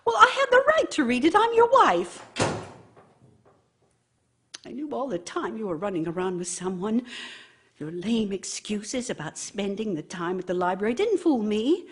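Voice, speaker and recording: An actress playing a bitter, long-suffering wife in a radio play, nagging and scornful, with a husky voice. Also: female voice, mid-range voice, sing-song, moderate pace, long pauses. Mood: accusing, scornful. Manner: scornful, reproachful, needling. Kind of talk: radio theater monologue.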